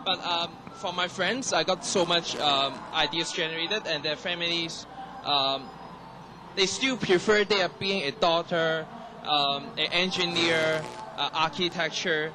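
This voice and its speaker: A young man from Hong Kong with a Hong Kong accent and Cantonese as his first language. He speaks haltingly as a panel guest, with many restarts and fillers. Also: a little high. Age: young adult. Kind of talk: panel discussion. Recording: noisy room.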